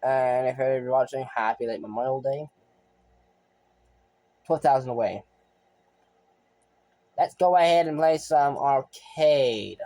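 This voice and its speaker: A man's voice: mid-range voice, slow pace, long pauses, warm tone, no room sound. A young man casually commentating his own gameplay as a streamer, rambling and thinking aloud, often trailing off mid-sentence. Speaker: gaming streamer.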